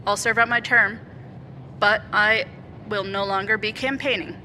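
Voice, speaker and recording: A woman's voice: mid-range voice, fairly even intonation, pushed and bright, a little hiss or hum, poor audio. A woman playing a resolute, principled interim mayor who is weary of politics and speaks firmly and plainly in an audio drama. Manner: firm, plain-spoken, deliberate.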